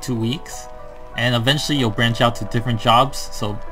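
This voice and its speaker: A man at a fairly quick pace with ordinary pitch variation, clear music playing in the background. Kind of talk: casual vlog chat. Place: home room. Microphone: webcam.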